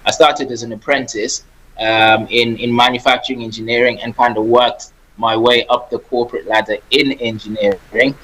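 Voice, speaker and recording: A man's voice: mid-range voice, little pitch movement, moderate pace, fairly bright tone, low-quality recording. A man from Zimbabwe, a guest on a radio interview, talking about his work in a friendly, easygoing way. He laughs now and then and repeats words as he goes. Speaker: guest, property investor.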